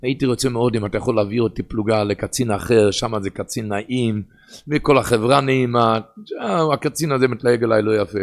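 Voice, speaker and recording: A man with an Ashkenazi Hebrew pronunciation voicing a humble young male soldier who softly and meekly pleads with his ruler. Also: medium pitch, vocal fry, voice pushed down, natural voice. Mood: pleading.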